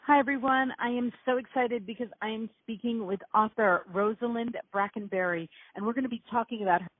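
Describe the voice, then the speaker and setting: A woman's voice: on the high side, fairly quick, no room sound. Woman host, Pennsylvania Dutch accent, bubbly, laughs a lot, phone-like sound. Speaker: podcast host. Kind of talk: casual interview. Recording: tinny phone-like line.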